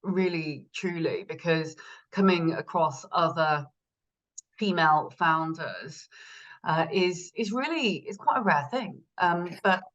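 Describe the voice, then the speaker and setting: A woman's voice: on the low side, animated, takes it slowly, fairly bright tone. A woman hosting a podcast in a casual, chatty way with a gushing, effusive manner. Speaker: podcast host. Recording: slightly dull, lo-fi audio.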